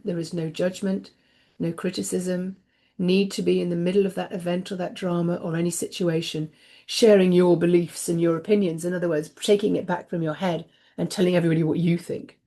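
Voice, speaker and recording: A woman hosting an oracle card reading, giving spiritual guidance in a soft, unhurried way that dwells on repeated phrases. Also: fairly even intonation. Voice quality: deep voice. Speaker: host and oracle card reader.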